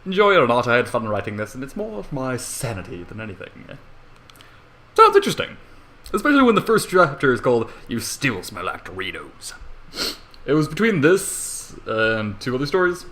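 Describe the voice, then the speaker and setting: A man's voice: mid-range voice, wildly swooping pitch, moderate pace, sharp tone. A young man reading fan fiction casually as an amateur narrator, with rambling, self-deprecating asides and swearing. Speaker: amateur story reader. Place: bedroom at home.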